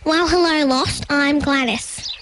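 A woman's voice: high voice, steady tone, takes it slowly, noisy background. A woman voicing a bossy, motherly emu, folksy and decisive, in a children's audio story. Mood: surprised, friendly. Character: plain-spoken, bossy, motherly female emu.

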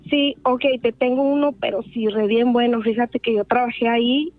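A woman's voice: fairly high pitch, fairly even intonation, moderate pace, no echo, faint music behind. Chatty woman on a tinny phone line. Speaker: prank accomplice friend.

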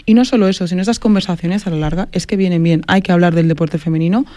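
A woman's voice: on the low side, steady tone, fast talker, dark tone, dry recording. A woman from Madrid, a guest in a casual interview, talking earnestly with many fillers and self-corrections. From Madrid, Spain. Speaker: guest, sports marketing agency founder.

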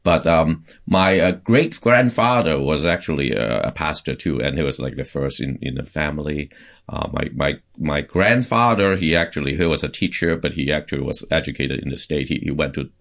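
A man's voice: rumbling low, expressive, moderate pace, creaky, fairly bright tone. A man from Hong Kong, a pastor, telling his life story in a casual interview, with many fillers and restarts. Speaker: pastor, podcast guest.

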